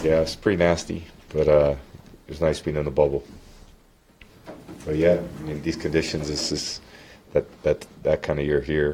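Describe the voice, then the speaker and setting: A soft-spoken man's very deep, low voice, flat and monotone, at a moderate pace with long, frequent pauses, over noticeable background noise. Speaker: professional football quarterback. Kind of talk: press conference answers.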